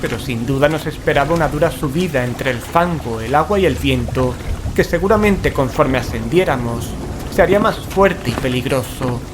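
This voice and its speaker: A man's voice: mid-range voice, expressive, normal speed, background noise, natural voice. An actor from playing a fearful male paranormal investigator, telling horror in an anxious, ornate, dramatic way. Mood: tense dread. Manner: anxious, ornate, dread-laden delivery. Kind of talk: dramatic first-person horror narration and radio-play dialogue. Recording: dramatic music, rain and thunder behind. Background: music, rain, thunder.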